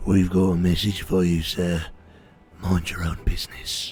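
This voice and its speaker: A man's gruff, put-on character voice, very deep and low in pitch, with a menacing tone, monotone, flat intonation and a moderate pace, over faint music in the background. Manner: menacing, curt.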